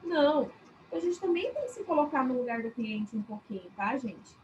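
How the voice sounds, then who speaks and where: A woman with a high voice and a Brazilian Portuguese accent teaches a class on customer service. She keeps it chatty, turns to her students often and acts out little scenes. Faint noise sits under the recording. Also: poor audio. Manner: chatty, addresses class as "gente", acts out examples.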